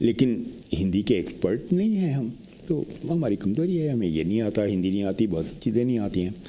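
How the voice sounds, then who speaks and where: A man's medium-pitched voice, dark and mellow in tone, with very wide pitch swings at a moderate pace. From India. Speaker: physicist and poet. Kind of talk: TV interview.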